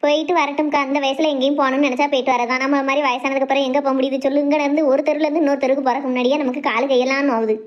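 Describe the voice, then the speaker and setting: A woman plays an elderly, easygoing cartoon aunt from a southern Tamil Nadu village, with that regional accent. She soothes and reasons in a high voice at a racing pace. The recording is slightly lo-fi. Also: little pitch movement, rapid-fire, hardly any pauses, lightly acted. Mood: placating. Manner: placating, philosophical. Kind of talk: cartoon comedy drama dialogue.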